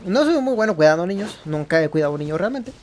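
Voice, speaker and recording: A man's voice: high voice, lively intonation, racing, a little hiss or hum. A man hosting a gaming video, commenting casually and rambling as he searches for words and rephrases. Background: game music.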